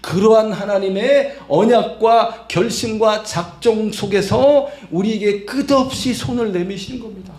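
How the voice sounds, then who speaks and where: Male pastor, high voice, emphatic sermon delivery, echoey church room. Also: measured pace, few pauses, darkish tone. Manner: emphatic, acts out quoted voices, fills with 막 and 응. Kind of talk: Sunday sermon. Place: church sanctuary.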